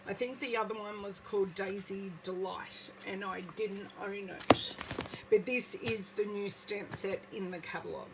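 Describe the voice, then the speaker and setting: An Australian woman with a slight croak in her voice, chatting casually with viewers during a live craft demonstration at home. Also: mid-range voice, fairly even intonation, normal speed, noisy background. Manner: chatty, greets viewers by name. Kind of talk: casual live-stream craft demo chat. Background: movie playing in background.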